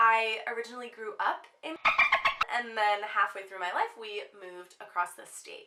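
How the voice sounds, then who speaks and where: A woman with a Michigan accent at a moderate pace, with noticeable background noise. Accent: US Midwest (Michigan). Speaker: restaurant server, vlogger. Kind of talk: storytime vlog. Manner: casual, many fillers.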